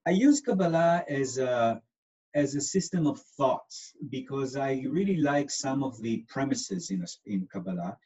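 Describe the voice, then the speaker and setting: A man's voice: medium pitch, a little mellow, lo-fi sound. A man from Israel with an Israeli accent, explaining things patiently in an interview, with lots of fillers. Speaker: astrologer guest.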